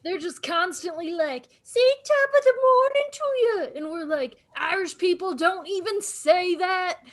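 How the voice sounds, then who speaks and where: A leprechaun sick of clichés vents in a very high, slow, deliberate voice, as a woman plays her. She mocks the usual questions with weary sarcasm. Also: lively intonation. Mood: exasperated. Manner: exasperated, mocking quotes. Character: exasperated female leprechaun. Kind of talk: improv comedy scene. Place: theater stage.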